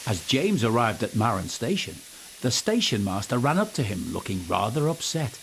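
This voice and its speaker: A man's voice: on the low side, big pitch swings, normal speed, gravelly, fairly bright tone, slight background noise, rough recording. A man narrating a scripted children's story as storyteller.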